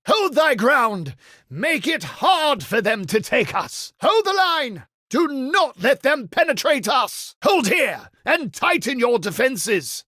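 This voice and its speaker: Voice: high-pitched, bright, forceful tone, no echo, clean studio sound, heavily acted. An actor playing a pompous, foppish medieval knight in a video game, speaking in florid, exaggeratedly courtly mock-archaic phrases.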